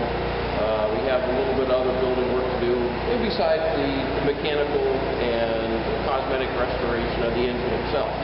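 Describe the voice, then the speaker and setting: Over loud background noise and audible room echo, a man speaks at a moderate pace. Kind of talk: informal guided tour talk. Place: factory. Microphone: camera far.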